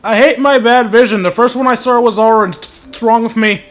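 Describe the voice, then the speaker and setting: A man's voice: very high voice, steady tone, moderate pace. A man giving casual playthrough commentary as a gaming YouTuber, with informal, self-deprecating asides.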